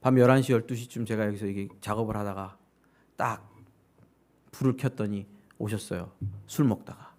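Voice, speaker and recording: A male pastor preaching a sermon. He keeps putting questions to his congregation and acts out what other people say. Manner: animated, asks the congregation questions directly; acts out quoted voices with sudden high-pitched outbursts.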